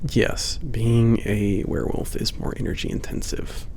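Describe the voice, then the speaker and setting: A man playing a big, cocky, teasing werewolf spaceport worker in a casual ASMR roleplay, with a gravelly voice and wry, hesitant banter. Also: medium pitch, flat delivery, a little slow, darkish tone, a little hiss or hum, natural voice. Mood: teasing, dry. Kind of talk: ASMR roleplay, casual improvised-sounding chat.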